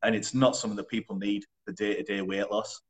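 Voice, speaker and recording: A young man, a personal trainer, answering in a relaxed, chatty way with blunt wording and frequent laughs. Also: lowish voice, quick pace. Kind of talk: casual interview.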